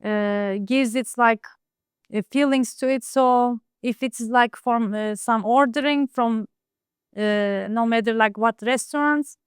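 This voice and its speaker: A woman, a home cook talking casually in an interview, soft-spoken and hesitant with many fillers. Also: on the high side, slow pace, clean tone, dry recording, clean studio sound. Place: home in Istanbul.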